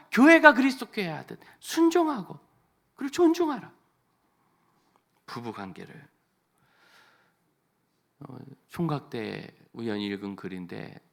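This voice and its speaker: A man preaching a Sunday sermon as pastor, lively and animated, acting out little everyday exchanges. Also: medium pitch, vocal fry.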